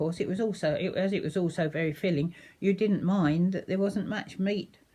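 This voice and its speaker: A woman with an Essex accent speaks fairly quickly in a somewhat breathy voice with a dark, mellow tone. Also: quiet background. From Essex, England (Great Baddow, Chelmsford). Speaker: local resident sharing war memories. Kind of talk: oral history testimony. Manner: hesitant, many fillers.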